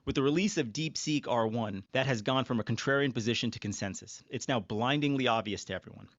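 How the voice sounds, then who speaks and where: A man of average pitch presents scripted remarks on a corporate earnings call. He is assertive and stresses his points. The recording is dry and a little dull, like a conference line. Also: fast, no echo.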